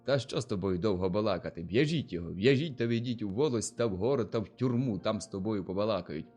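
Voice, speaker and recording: A bossy older village head barks orders and insults, as a male narrator puts him on. The voice is low and blustering. Faint music runs beneath. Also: normal speed, a little mellow, natural voice. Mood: angry.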